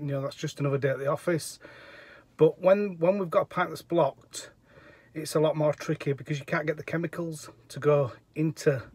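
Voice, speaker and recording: A middle-aged plumber talking casually through a job step by step, with fillers. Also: male voice, on the high side, no echo. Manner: chatty, explains step by step with fillers. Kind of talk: casual how-to vlog. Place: parked van, then a house bedroom.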